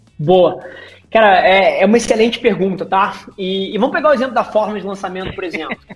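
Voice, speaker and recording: Ordinary pitch variation and a fairly quick pace come through over noticeable background noise. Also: man, high pitch for a man. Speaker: marketing agency founder. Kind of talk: casual interview. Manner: hesitant repetitions.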